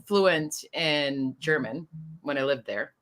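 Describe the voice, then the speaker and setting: Low-voiced woman. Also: slow pace, a bit bright. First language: Slovenian. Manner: chatty and self-deprecating, with fillers and restarts. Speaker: voice actor on a fan Q&A panel. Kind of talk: casual panel chat.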